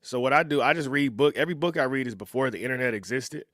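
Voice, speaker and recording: A man in his thirties hosting a reaction video, talking in a relaxed, conversational way and often chuckling. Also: medium pitch, quick pace, dry recording, clean studio sound. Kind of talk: casual reaction commentary.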